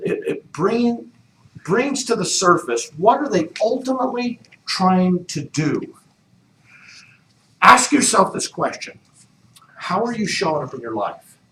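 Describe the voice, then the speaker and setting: A man's voice: high voice, big pitch swings, slow, long pauses, a bit bright, slight background noise. A man leading a real estate training session, coaching the group with repeated questions. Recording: echoey room, mic far off.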